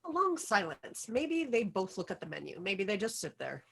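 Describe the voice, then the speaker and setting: A woman's voice: medium pitch, very animated, moderate pace, gravelly, fairly bright tone, breathy edge. A woman narrating stage directions in an informal script table read.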